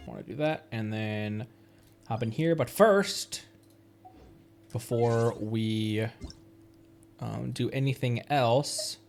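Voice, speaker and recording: A streamer chatting casually over a game, in a playful, excitable manner. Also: medium pitch, takes it slowly, creaky, long pauses. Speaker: livestreamer. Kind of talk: casual gaming livestream chat.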